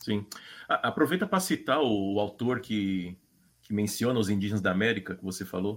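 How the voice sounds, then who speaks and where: A man with an ordinary speaking voice talks at a moderate pace in a fairly low pitch with ordinary pitch variation. The recording is very clean, with a silent background. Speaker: podcast host. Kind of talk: casual interview.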